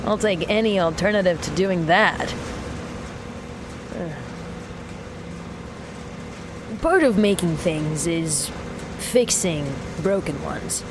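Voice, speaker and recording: A self-assured genius mechanic in a sci-fi audio drama. She takes her time, wry and casually sweary, as if logging her own thoughts. A clear noisy rumble sits behind her voice. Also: expressive, measured pace. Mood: confident, wry. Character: brash, self-assured young genius woman mechanic building a rocket. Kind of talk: audio drama monologue as spoken recording.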